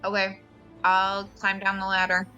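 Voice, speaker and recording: A woman's voice: mid-range voice, completely flat delivery, moderate pace, pushed and bright, muffled recording, soft background music. A woman chatting casually as a player in a tabletop game, tentative and questioning as she works out what to do.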